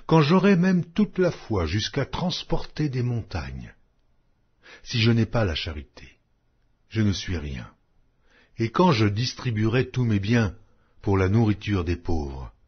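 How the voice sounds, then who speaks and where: A man reading scripture aloud as a scripted audiobook, solemn and measured, with declamatory phrasing. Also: lowish voice, husky. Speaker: audiobook Bible reader. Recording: dull lo-fi audio.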